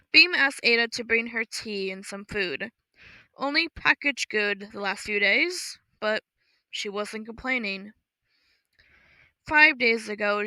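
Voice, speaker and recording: A woman reads a story in a slow, measured, even way. Her tone is bright and a little high, captured close on a dry studio mic with no room sound. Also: no room sound, low-quality recording. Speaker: audiobook narrator. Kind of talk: scripted story narration.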